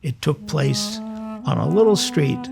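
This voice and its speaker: Man, 60s, priest-host. Heavy vocal fry, somewhat high-set pitch, conversational sermon style with earnest storytelling, over music. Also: animated, takes it slowly. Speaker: priest and host of a religious program.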